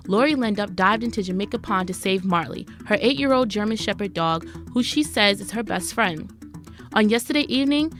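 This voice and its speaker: A woman reading scripted news and announcements as a college radio reporter. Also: mid-range voice.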